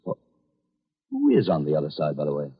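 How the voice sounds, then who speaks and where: Vintage radio drama: exasperated, protective young husband, husky, swooping delivery, muffled recording. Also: male voice, very deep voice, huge pitch swings, fairly quick, exaggerated voice. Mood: anxious, reassuring. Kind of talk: old-time radio drama acting.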